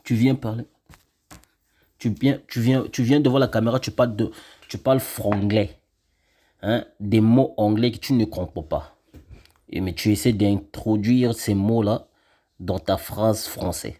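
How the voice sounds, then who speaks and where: A man from Congo rants at a rival in an indignant, scolding monologue, repeating his points again and again. His voice sits low, dark and a little husky. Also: fairly even intonation, measured pace, pauses often. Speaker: online commentator. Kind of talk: angry monologue reacting to a video.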